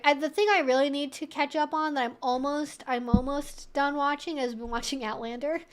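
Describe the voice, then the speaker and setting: Female streamer, high voice, informal and rambling, casual Q&A chat delivery. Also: a bit bright. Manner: rambling, informal, frequent "like" and swearing. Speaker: livestream host.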